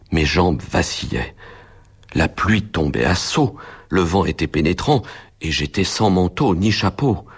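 A man reads a story aloud in measured audiobook narration. His voice sits extremely low and gravelly, with a deep fry in the tone. The sound is heavily husky and breathy throughout.

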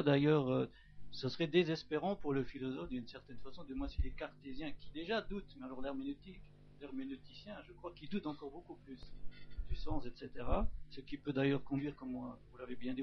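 Gravelly-voiced man, hesitant questioner. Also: mid-range voice, lo-fi sound. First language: German. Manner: hesitant, searching, repeats words. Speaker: audience member asking questions. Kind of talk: discursive question at a lecture.

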